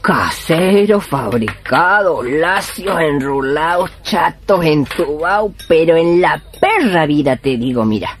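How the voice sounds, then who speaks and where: A woman's voice: sits low, very animated, slow, hardly any pauses, a crowd in the background, exaggerated voice. A woman playing a bossy, tender old village healer with an Argentine accent and a folksy, scolding way of talking, in a radio drama. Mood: gushing. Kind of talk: Spanish-language radio drama acting.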